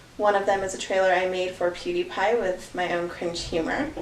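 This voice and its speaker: Over noticeable background noise and audible room echo, the speech moves at a fairly quick pace. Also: woman. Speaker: vlogger. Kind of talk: casual vlog talk. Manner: fast.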